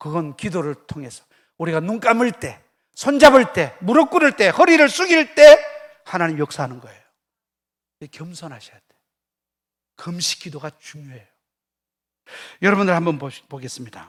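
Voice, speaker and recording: A man with a slight Chungcheong accent speaks in a high pitch, his voice swinging very widely in pitch and greatly in loudness. Long pauses come often. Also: moderate pace. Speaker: revival preacher. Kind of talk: sermon.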